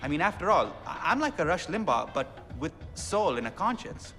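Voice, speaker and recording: Excitable bright-voiced South Asian radio DJ. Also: male voice, fairly high pitch, normal speed, full character voice. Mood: excited, proud. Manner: theatrical, slangy, rambling. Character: excitable, chatty young male rebel radio DJ. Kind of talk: game cutscene acting with radio patter. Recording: music behind, long reverb.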